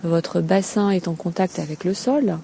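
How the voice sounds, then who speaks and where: Guiding a relaxation lesson off the cuff, this Feldenkrais teacher speaks in a fairly low female voice with vocal fry, gentle and slow, pausing hesitantly between brief phrases. The recording, made outdoors by a calm sea, carries constant seaside noise and some gulls.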